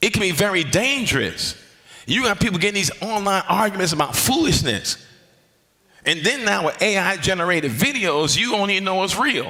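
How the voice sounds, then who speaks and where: Raising and projecting his high voice, a man talks fairly quickly in an animated tone with lively intonation. His loudness stays very even. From New York. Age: 50s. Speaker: pastor. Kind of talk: casual teaching discussion with audience.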